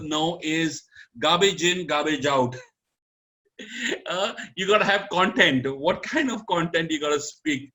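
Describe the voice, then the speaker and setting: In a live online public speaking lesson, a man addresses his audience directly, animated and coaxing, with his pitch rising and falling for emphasis.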